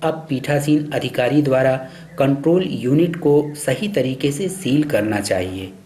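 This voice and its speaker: A man reading scripted instructional narration for a training film in a formal, measured, instructive way. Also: mid-range voice, dark tone. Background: background music.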